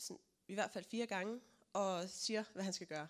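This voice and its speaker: A woman's voice with ordinary pitch variation. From Denmark, North Zealand. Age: 20s. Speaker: trainee pastor. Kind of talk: personal testimony in church. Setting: church service with congregation. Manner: hesitant, many fillers.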